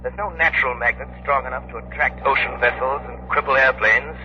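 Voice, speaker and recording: An actor playing a calm, commanding crime-fighting detective in a 1930s radio drama. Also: male voice, mid-range voice, close to an everyday voice. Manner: authoritative, measured. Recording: hissy muffled 1930s radio broadcast.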